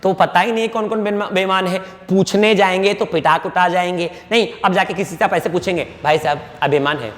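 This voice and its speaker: Casting note male tutor, high voice, unhurried lecture delivery, long reverb on the track. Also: steady tone, a bit bright. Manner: drawn-out dictation of example sentences, coaxing. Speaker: English teacher. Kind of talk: classroom-style grammar lesson.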